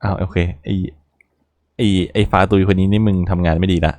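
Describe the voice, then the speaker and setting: A man's voice: sits low, fairly even intonation, a little fast, a little mellow, no room sound. A young man casually commenting on a game he plays, crude and joking, swearing often. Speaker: gaming channel host.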